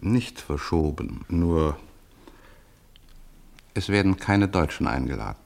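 An actor playing a formal, evasive senior hospital professor in a radio play, polite and hesitant in manner. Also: male voice, low voice, expressive, takes it slowly, creaky, a little mellow, heavily acted. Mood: awkward, evasive. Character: courteous, evasive French hospital professor, senior male boss.

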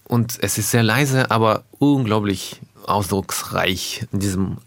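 A man from Russia, a native Russian speaker, talking as a musician guest in a radio interview, thoughtful and often pausing to find his words. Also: on the low side, gravelly, a bit bright, no room sound. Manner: thoughtful, searching for words with pauses.

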